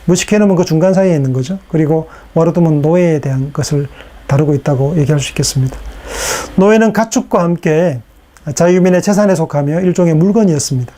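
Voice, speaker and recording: A man giving a recorded lecture in a casual, unhurried way, with fillers and rhetorical questions, his voice strained from hours of recording. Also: a little high, warm tone.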